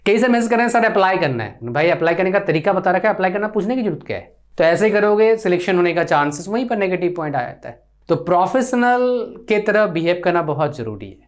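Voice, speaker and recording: A man's voice: sits high, big pitch swings, fast talker. A young Indian man, a career counsellor, speaking earnestly and directly to viewers in a lecturing advice talk.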